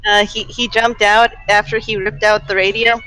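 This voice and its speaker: Smooth-voiced excitable man player. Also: high voice, moderate pace, no room sound, poor audio. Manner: excitable, repeats words. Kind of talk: casual game chat.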